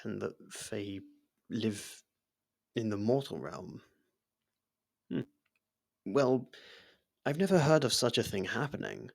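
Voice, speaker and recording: A man's voice: medium pitch, slow, gravelly, pauses often, no room sound, clean studio sound. A man playing a devoted, worried royal servant in an intimate fantasy roleplay, speaking formally and earnestly with careful deference. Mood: apologetic, concerned.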